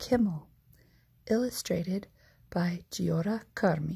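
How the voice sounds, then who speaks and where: Soft-spoken and very slow, the voice leaves long, frequent pauses against a quiet background. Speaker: ASMR storyteller. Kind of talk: read story. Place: home room. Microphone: phone near.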